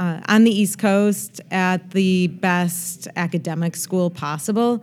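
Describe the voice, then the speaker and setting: A woman with an American accent talks at a fairly slow pace with ordinary pitch variation. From Chicago area, Illinois (Skokie). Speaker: company president, former college hockey player. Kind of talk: interview. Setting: office, in person.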